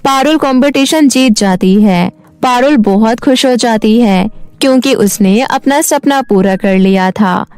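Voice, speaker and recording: A woman's voice: on the high side, unhurried, hardly any pauses, a little mellow, clean tone. A woman giving scripted narration for a cartoon fairy tale.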